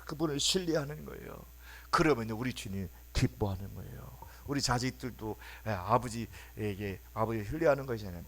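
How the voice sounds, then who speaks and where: A man preaching a Sunday sermon as pastor, emphatic and prompting the congregation to answer back. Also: medium pitch. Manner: emphatic, calls for congregation responses, acts out quoted voices. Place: church sanctuary.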